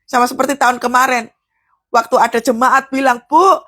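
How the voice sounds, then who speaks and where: Female preacher, breathy and fairly high, telling stories in a live devotional. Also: little pitch movement, a little fast, fairly bright tone. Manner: storytelling, often addresses listeners as brothers and sisters.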